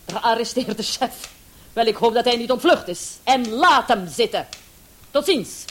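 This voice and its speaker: An actress playing a brisk but indulgent female police commissioner in a Dutch radio play. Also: a little high, animated, a bit bright. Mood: brisk, official. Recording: hissy old radio play recording with clicks.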